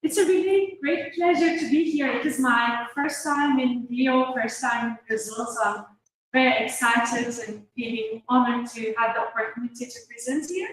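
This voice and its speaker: High-pitched woman presenting in an echoey room. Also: steady tone, moderate pace. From Turkey. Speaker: guest academic speaker, university lecturer. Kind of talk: academic seminar presentation. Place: university seminar room, indoors. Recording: distant mic, very echoey room, faint noise.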